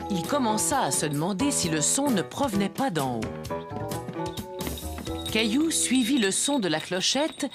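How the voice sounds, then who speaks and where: A woman performing as a kindly narrator of a scripted children's cartoon story, with expressive storytelling. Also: medium pitch, unhurried, long pauses. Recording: loud music under the voice.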